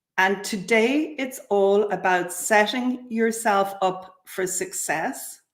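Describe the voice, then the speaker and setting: Audible room echo surrounds this woman's voice. Her pitch is medium, with ordinary variation. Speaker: eco printing teacher. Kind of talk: online workshop lecture. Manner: slow, deliberate.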